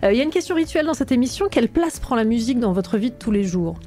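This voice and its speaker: A woman's voice: fairly high pitch, animated, racing, warm tone. A woman hosting a radio arts interview, moving between prepared links and short conversational replies.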